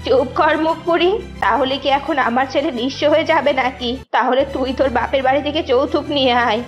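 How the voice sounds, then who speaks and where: Cartoon villain: a woman as greedy, bullying fox mother-in-law, high scolding voice, muffled sound with music. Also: steady tone, a little fast, lightly acted. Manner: scolding, domineering. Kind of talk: children's cartoon story voice acting. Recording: dull lo-fi audio over music.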